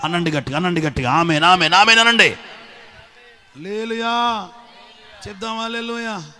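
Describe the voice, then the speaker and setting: Male pastor, raised and bright, rousing sermon with call-and-response, shifts between loud preaching and hushed storytelling. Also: sits high, fairly even intonation, fast talker. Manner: rousing, repetitive calls for congregation response. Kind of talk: Telugu sermon with English phrases.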